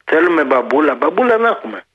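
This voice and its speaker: A man's voice: fairly high pitch, sing-song, crowd noise. A man calling a sports radio show, ranting heatedly and repeating his points. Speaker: caller. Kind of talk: casual call-in chat. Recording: muffled phone line.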